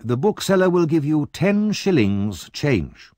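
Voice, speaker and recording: A man voicing a kindly older gentleman who speaks in a measured, earnest way. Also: fairly high pitch, sing-song, no room sound, clean studio sound, voice pushed up.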